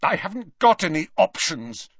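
A man voicing a cornered teenage boy wizard who talks loudly, with a strained, rising voice. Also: sing-song, normal speed, no room sound, lo-fi sound. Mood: desperate. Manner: loud, strained, voice rising in pitch.

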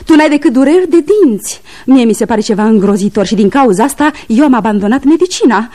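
Radio-play vamp: high, mellow-toned, fickle and cruel, declamatory. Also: female voice, lively intonation. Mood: coaxing. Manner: exalted, declamatory, swings between coaxing and shouting. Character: theatrical scheming woman, fickle and cruel. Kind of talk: 1970s radio drama acting.

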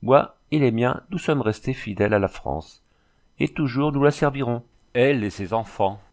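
A man's voice: medium pitch, normal speed, voice pushed up, lightly acted. A man voicing a proud, solemn Native American man who speaks in a grave, formal way in an audiobook. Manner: grave, formal, reverent speech.

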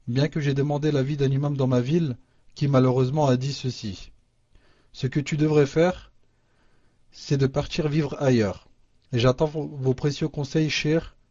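A man moderates a call, reading listener questions in a halting way with frequent restarts. His voice is dark and mellow, and it sounds dry and muffled, as if over a lo-fi line. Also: medium pitch, no room sound. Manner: halting reading with restarts, Arabic religious phrases. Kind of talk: reading questions aloud, hesitant. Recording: muffled lo-fi audio.

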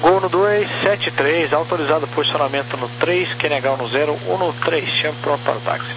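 A man's voice: a little high, brisk. Crackly radio, Brazilian male air traffic controller. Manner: procedural, clipped readout with spelled-out digits. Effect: crackly aviation radio. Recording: noisy crackly radio transmission with hum.

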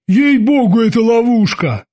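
A man voicing a huge, cowardly male sailor who talks loudly in alarm. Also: high-pitched, expressive, takes it slowly, full character voice. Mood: panicky. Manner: loud, alarmed, pleading.

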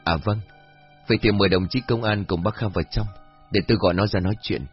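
A man's voice: fairly low pitch, fast, husky, lo-fi sound, faint music behind. A man voicing a hot-tempered middle-aged village father who curses and blusters, in a storybook reading. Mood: polite. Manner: angry, cursing, blustering.

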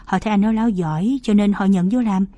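A woman's voice: medium pitch, fast talker, warm tone, no room sound, lightly acted. A woman reading the part of a teasing young male journalist in playful, self-mocking banter. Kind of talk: audiobook character reading.

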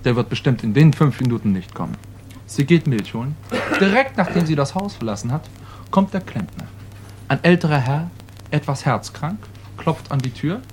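A man's voice: fairly high pitch, sing-song, moderate pace, darkish tone, slight background noise. A male comedian telling jokes in an anecdotal style, jumping in and out of character voices. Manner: anecdotal storytelling, jumps into voices. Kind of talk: stage joke telling.

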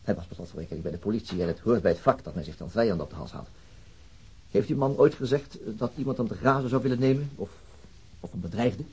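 An actor playing a calm, tactful police inspector in a radio drama, speaking politely and hesitantly. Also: male voice, lowish voice, quick pace, husky. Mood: patient probing. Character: calm, tactful male police chief inspector questioning gently. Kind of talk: naturalistic radio drama acting.

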